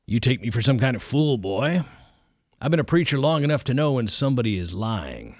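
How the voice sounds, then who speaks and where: A man voicing a blunt, gruff older male preacher with a folksy, commanding way of talking. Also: medium pitch, very animated, fairly quick, no echo, clean studio sound.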